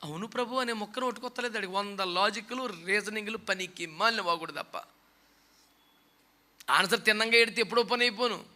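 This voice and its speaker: A man's voice: sits high, brisk, pushed and bright. A man preaching a sermon in a scolding, mocking way, often acting out the people he quotes. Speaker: pastor. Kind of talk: fiery sermon.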